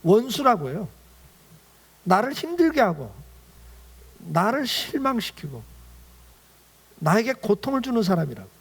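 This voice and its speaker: A man with a notably high-pitched voice delivers a Sunday sermon in a church. He preaches to the congregation directly, firing off rhetorical questions and answering them himself. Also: big pitch swings, unhurried, creaky, pauses often, husky. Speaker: pastor. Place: church sanctuary.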